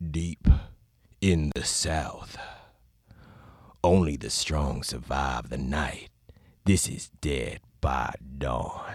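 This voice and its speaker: A man uses a put-on character voice, very deep and low in pitch. He goes at a very slow pace with long, frequent pauses. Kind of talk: dramatic announcer.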